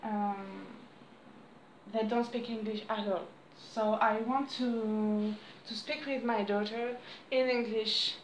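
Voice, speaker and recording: A woman in her thirties with a French accent, chatting to camera at home in halting English, losing her voice. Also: on the high side, fairly even intonation, echoey room, a little hiss or hum, rough recording. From France. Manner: halting non-native English with frequent restarts and apologies. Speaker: crafts vlogger. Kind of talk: casual chat to camera. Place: small room indoors at home. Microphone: camera on a desk close by.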